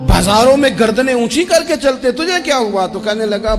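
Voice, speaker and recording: Music plays behind a man whose pitch swings very widely. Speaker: Islamic preacher. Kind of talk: Islamic sermon with storytelling. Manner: emotional, passionate.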